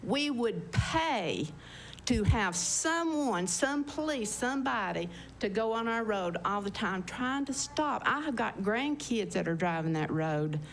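In an American accent, a woman with a fairly high voice speaks at a fairly slow pace with very wide pitch swings, and audible room echo surrounds her. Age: 70s. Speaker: resident speaking at public hearing. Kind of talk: public comment at county meeting. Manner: animated.

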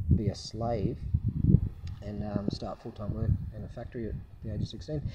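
Over loud background noise, a man with an Australian accent talks at a fairly quick pace in a dry sound with no echo. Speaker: YouTuber and English teacher; YouTuber, English teacher. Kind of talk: casual monologue vlog. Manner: rambling with many fillers. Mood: reflective, some grievance. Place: waterside. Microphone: phone near.

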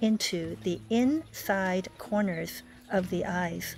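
The pace is very slow, with lively intonation in an American accent. Music plays in the background. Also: woman. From California, USA. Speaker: yoga teacher. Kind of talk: guided yoga instruction. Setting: outdoors.

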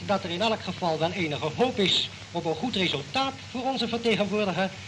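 In a raised, projected voice, a man speaks at a high pitch with lively intonation over noticeable background noise. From Netherlands. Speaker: radio sports reporter. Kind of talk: radio interview. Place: studio. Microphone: old recording.

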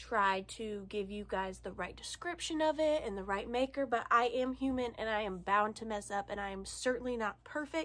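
The speaker is a woman. She varies her pitch in an ordinary way. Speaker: online reseller vlogger. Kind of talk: casual vlog chat. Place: home room. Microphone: phone near.

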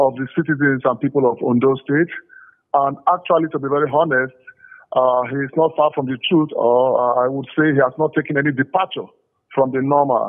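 At a moderate pace, a man with an ordinary speaking voice talks in a fairly high pitch with fairly even intonation. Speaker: security expert. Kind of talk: news interview.

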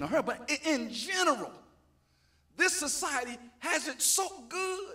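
A man with an American accent speaks in a raised, projected voice against a quiet background. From South Carolina. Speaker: preacher. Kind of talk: sermon. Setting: church. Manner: halting. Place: church. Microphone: handheld.

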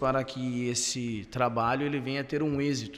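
With a moderate pace, a man speaks in a monotone, flat intonation. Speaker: municipal housing secretary. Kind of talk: formal public hearing statement. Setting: council chamber, televised. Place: meeting room. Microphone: podium.

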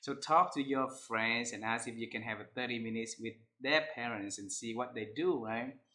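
A man with a Vietnamese accent speaks at a moderate pace in a bright, sharp tone, with ordinary pitch variation against a quiet background. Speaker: interview host. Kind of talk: interview. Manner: halting. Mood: friendly, curious. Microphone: video call.

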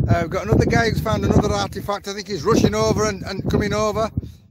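A man talks at a very fast pace. The sound is dry with no echo, though there is noticeable background noise. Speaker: metal detecting vlogger. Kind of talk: casual vlog chat. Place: open country. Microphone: phone near.

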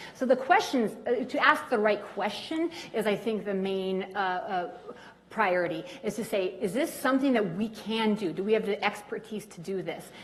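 A woman speaks with a fairly high pitch. Noticeable background noise runs underneath. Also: lively intonation. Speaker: city council candidate. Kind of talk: candidate forum answers. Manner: fast; halting, many fillers.

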